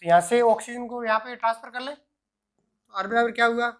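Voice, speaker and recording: A male chemistry teacher working through examples, asking himself questions and answering them, and dictating formulas slowly piece by piece. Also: extremely high pitch. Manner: answers own questions, repeats "ठीक है" often. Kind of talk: explaining worked examples at a board.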